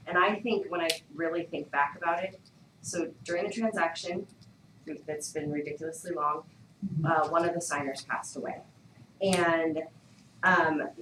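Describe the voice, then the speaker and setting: Low-voiced woman thinking aloud. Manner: thoughtful, reasoning aloud. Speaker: trainee agent. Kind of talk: telling a client story in a meeting. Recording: echoey room, mic far off, steady hum.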